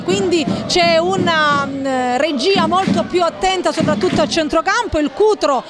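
A woman calls a live football match in an extremely high-pitched voice. Her phrasing is wordy and formal, broken by frequent hesitations as she follows the play.

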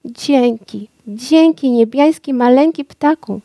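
A woman's voice: high voice, takes it slowly, warm tone, dry recording. A woman voicing an old, recovering emperor in a storybook reading, speaking earnestly and with fervour. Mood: grateful. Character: old sick emperor, grateful and majestic.

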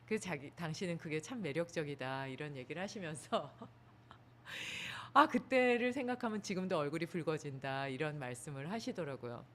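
Middle-aged woman, yoga teacher, lively storyteller; lilting voice, mimics quotes with bright pitch leaps. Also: a little fast, slight background noise. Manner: animated, acts out quoted lines with big pitch jumps; laughs through her telling. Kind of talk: storytelling talk to an audience.

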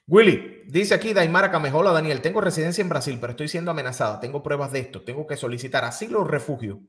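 Male show host in his thirties, slightly raised pitch, steady reader of viewer questions into a studio mic. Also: fast. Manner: reads viewer questions aloud evenly. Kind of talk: reading viewer questions and interviewing. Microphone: studio microphone on boom.

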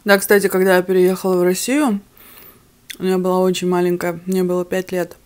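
A young woman with a slightly low voice talks candidly to a camera on the table in front of her, pausing between bites of food. Her first language is not Russian. She sounds relaxed and at home in her living room. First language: other than Russian. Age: young adult. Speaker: mukbang vlogger. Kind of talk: casual chat to camera while eating.

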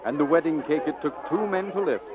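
A man's voice: a little high, fast, a crowd in the background, noisy background, lightly acted. An actor playing a nostalgic old Welsh man, lyrically narrating his boyhood in a 1940s radio drama. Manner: lyrical, wistful storytelling. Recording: narrowband old radio broadcast with music.

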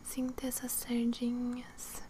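A young adult woman whispering breathily in ASMR style, close to the mic, soothing and softly repeating words to relax the listener. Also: fairly high pitch, completely flat delivery, slow pace, background noise. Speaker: ASMR video host. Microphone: close to the mic, face near camera.

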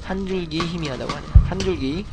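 A man doing comic commentary while streaming a game, playfully talking to the characters as if he were their dad and breaking into loud excited shouts. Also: a little high, fairly quick, heavy background noise. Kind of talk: comic let's-play commentary. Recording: loud game music behind the voice. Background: game music.

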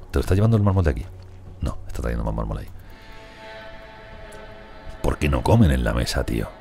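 Fast-talking deep-voiced Spain Spanish man. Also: gravelly, a little mellow. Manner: rambling, chatty, talks to colonists. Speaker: gaming streamer. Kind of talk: casual let's play commentary.

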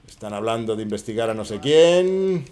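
A man's voice: lowish voice, expressive, normal speed, a little mellow. A middle-aged man from Spain with a Spanish accent, chatting casually and swearing as he plays and talks to viewers over a headset mic. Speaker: gaming channel host. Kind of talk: casual gameplay commentary.

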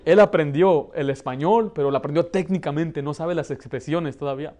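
A man in his thirties who grew up in the United States, preaching a lively sermon from a pulpit with a Mexican Spanish accent. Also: a little high, fairly quick, a little hiss or hum. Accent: Mexican Spanish, learned in the United States. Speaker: pastor. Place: church hall, plain indoor room.

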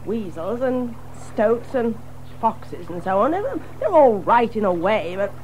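High, lively chatty water rat. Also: female voice, unhurried, a little hiss or hum, rough recording. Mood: confiding. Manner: hearty, exclamatory, chuckling and hesitating. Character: chatty, friendly water rat, keen boater of the riverbank. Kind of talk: children's audio drama.

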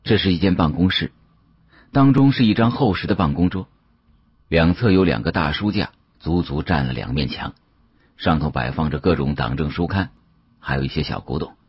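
A man's voice: a bass voice, animated, moderate pace, slightly rough, no room sound. A man narrating a story dramatically in the first person as an audiobook reader. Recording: dull, muffled dry studio sound.

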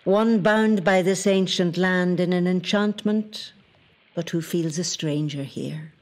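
Slow, solemn land spirit. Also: female voice, fairly low pitch, darkish tone. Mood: enchanting, solemn. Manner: incantatory, solemn, lingering. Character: ancient, enchanting female spirit of the land, possessive. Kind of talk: literary audio drama monologue.

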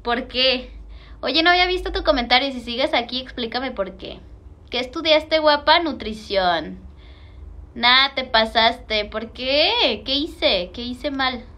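A woman's voice: sits high, animated, measured pace, sharp tone. A young woman with a Mexican Spanish accent chatting casually on a livestream, reading viewer comments, slangy and playful, laughing often.

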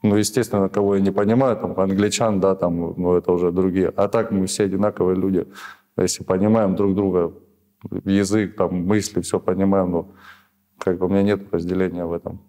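Man, 30s, interviewee: hesitant, rambling, many restarts, dark low voice, lapel mic in a small office. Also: little pitch movement, a little fast. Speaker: prisoner of war being interviewed. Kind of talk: halting conversational answers.

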